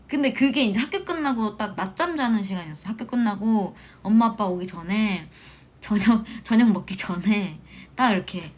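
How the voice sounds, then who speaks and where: Chatty young woman livestreaming from home. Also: medium pitch. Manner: chatty, animated storytelling with shouted quotes. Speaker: idol livestream host. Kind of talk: casual livestream chat reading comments. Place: small home room.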